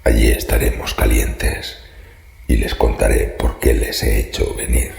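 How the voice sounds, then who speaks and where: A gravelly, very deep sinister old man. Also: level tone, darkish tone, full character voice. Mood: cryptic. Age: older. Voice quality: gravelly, whispery. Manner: slow, ominous, courteous. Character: sinister old man, cryptic host of a dark mansion. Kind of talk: audio horror drama acting. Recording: echoey room sound.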